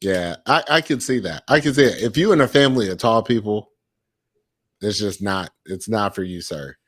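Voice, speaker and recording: A young man speaking AAVE, co-hosting a podcast in casual chat, animated and acting out little scenes. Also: lowish voice, moderate pace. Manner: animated, acts out scenes with put-on voices and laughter. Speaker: podcast co-host.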